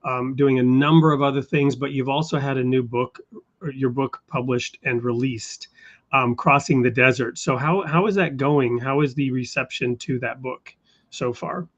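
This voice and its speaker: A man hosting an interview show, talking in a measured, conversational way with a few fillers. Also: mid-range voice, fairly even intonation. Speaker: host. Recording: dull lo-fi sound.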